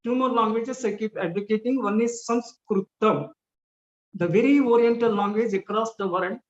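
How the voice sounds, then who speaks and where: A middle-aged man with an Indian English accent and Telugu as his first language, giving an online guest lecture in a deliberate manner, with frequent fillers and restarts. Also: high voice. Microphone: video call. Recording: muffled video call audio.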